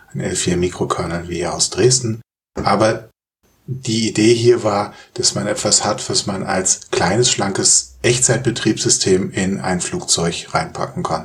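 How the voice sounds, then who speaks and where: A man's normal speaking voice, fairly low-pitched, with lively intonation at a fairly slow pace. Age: 40s. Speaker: computer science postdoc. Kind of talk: technical interview.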